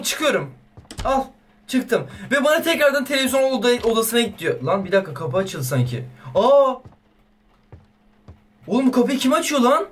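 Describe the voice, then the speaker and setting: A young man with a very high voice narrates his horror-game playthrough. He is excitable and swears playfully at the baby in the game, in the manner of a YouTube let's play. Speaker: gaming YouTuber.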